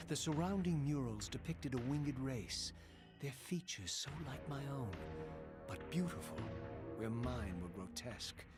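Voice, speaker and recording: A man voicing a proud, bitter, eloquent undead wraith in a gothic video game, with formal, measured, sardonic diction over music. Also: mid-range voice, natural voice. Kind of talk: theatrical gothic video game narration and dialogue.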